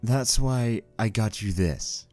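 A man plays a devoted cartoon pony husband with a slow, mellow voice. He is hesitant, earnest and apologetic, as in a fan audio drama, recorded close and dry. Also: fairly low pitch, dry recording, faint music behind. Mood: earnest, pleading.

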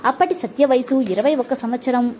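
A woman narrating an audiobook story in a calm, measured way. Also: sits high, slight background noise.

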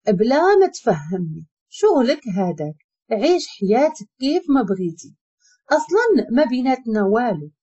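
A woman voicing a sharp, hurt young wife, speaking with a Moroccan accent in a clipped, pleading way. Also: on the high side, big pitch swings, moderate pace, breathy edge. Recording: dull lo-fi recording.

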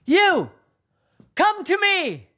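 A woman doing a proud young man shouting high. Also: expressive, slow pace, full character voice. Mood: calling out. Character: proud young man, beautiful, aloof hunter.

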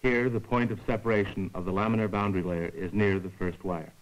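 A man with a fairly low voice narrates an educational science film. His delivery is scripted, formal and measured, explaining each point in the orderly way of a lecturer. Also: steady tone, poor audio.

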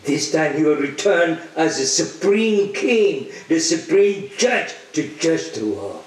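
Older priest preaching slowly in English. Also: male voice, fairly high pitch, very animated. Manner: slow, emphatic preaching, pausing for the interpreter. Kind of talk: homily with interpretation. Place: large church, at a lectern. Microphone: lectern microphone. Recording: very echoey church hall.

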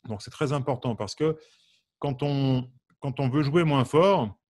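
A man's voice: medium pitch, measured pace, a little mellow. A man from the Champagne region of France teaching harmonica in a live online lesson, quizzing viewers and reading their answers out by name. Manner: asks the audience questions, many fillers.

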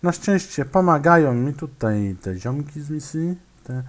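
An expressive man with a higher-leaning voice talks through his gameplay without hurrying. It's casual, self-directed muttering, full of hesitation, fillers and restarts, punctuated by clicking sounds.

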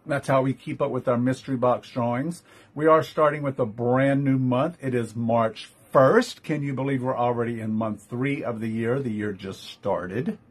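A man's voice: mid-range voice, normal speed, husky. A man hosting a casual live-stream jewelry sale, chatty and upbeat, greeting viewers by name as he shows each piece.

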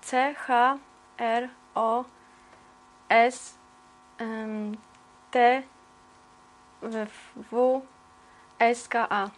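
Young woman from Poland, exam candidate; very slow, flat, halting delivery. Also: on the high side. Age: 20s. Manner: hesitant, many fillers and restarts. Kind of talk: spoken language exam answers. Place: indoor room.

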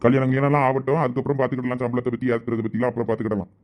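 A man playing a stern village husband in a family skit, talking briskly and firmly. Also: mid-range voice, steady tone, lightly acted. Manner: brisk, scolding, firm. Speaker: husband and shop owner. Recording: dull lo-fi sound.

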